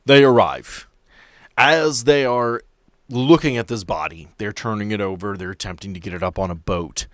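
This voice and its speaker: A man with a lowish voice in a dry, close recording runs a tabletop roleplaying game as its narrator. He tells the story in measured, dramatic phrases and stretches them out for weight. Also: a bit bright, dry recording. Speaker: game master and host.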